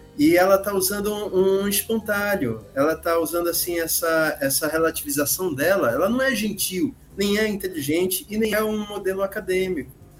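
With lively intonation and hardly any pauses, a man speaks at a high pitch against noticeable background noise. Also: moderate pace. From Amapá, northern Brazil. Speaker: panelist on culture podcast. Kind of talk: casual panel discussion.

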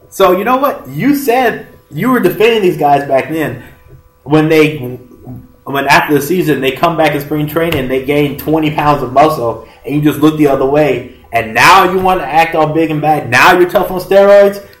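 A man with a fairly high pitch talks at a moderate pace, his intonation lively and his tone animated. Noticeable background noise sits behind him. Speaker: sports podcast co-host. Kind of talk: casual chat. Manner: loud.

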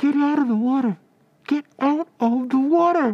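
Shouting in a put-on character voice, a man speaks at an extremely high pitch and a moderate pace. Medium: read story. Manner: frantic, shouting, panicked.

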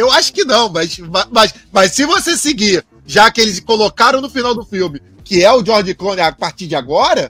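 A man's raised, projected voice, high in pitch with lively intonation, dry and close with no echo, over music in the background. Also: moderate pace. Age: 40s. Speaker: film channel host, podcast guest. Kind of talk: casual chat. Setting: at home in bedroom.

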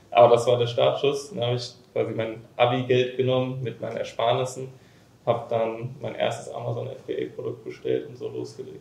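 There is audible room echo around a man's voice. His loudness swings widely. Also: moderate pace. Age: 20s. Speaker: online retail entrepreneur. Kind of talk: interview. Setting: host's villa.

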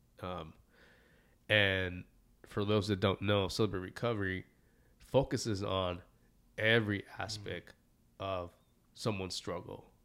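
On a very clean recording with a silent background, a man with a fairly low voice speaks in a monotone, flat intonation at a fairly slow pace, with long, frequent pauses. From Santa Ana, California (Mexican-American). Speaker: podcast host. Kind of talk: casual interview.

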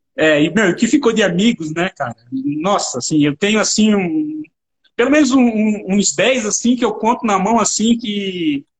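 Lively intonation from a man with a high voice, at a moderate pace. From Brusque, Santa Catarina, southern Brazil. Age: 30s. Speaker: cosmetics company executive, former sales representative. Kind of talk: casual interview in a live stream.

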